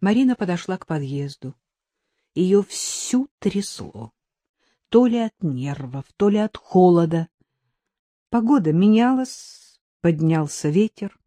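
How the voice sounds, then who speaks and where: A woman narrating an audiobook in a calm, even storytelling manner. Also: on the low side, takes it slowly, dry recording, clean studio sound.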